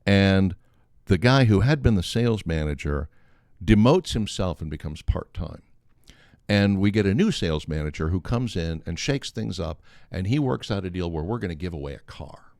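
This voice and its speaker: A man's voice: deep voice, normal speed, gravelly, dry recording, studio quality. An older man telling a humorous anecdote in a casual, wry way, acting out the dialogue as he goes. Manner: animated, acts out quoted dialogue. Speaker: storyteller on a talk show.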